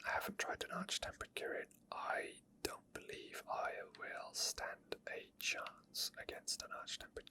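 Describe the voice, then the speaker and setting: A person whispering unscripted ASMR gameplay commentary in a soft, breathy, unhurried way, thinking aloud. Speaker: gaming ASMR video creator.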